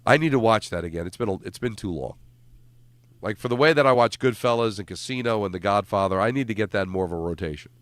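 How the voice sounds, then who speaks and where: A man in his fifties from New Jersey, co-hosting a sports radio show in a studio, self-deprecating and halting, with many restarts. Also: lowish voice, animated, no echo. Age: 50s. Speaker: radio co-host. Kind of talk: casual sports radio banter. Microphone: studio microphone.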